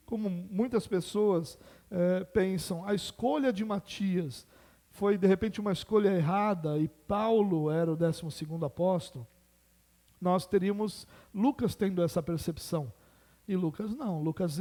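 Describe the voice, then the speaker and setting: A man's voice: sits high, warm tone. A man with a Brazilian Portuguese accent preaching an expository sermon as pastor, explaining patiently and posing rhetorical questions.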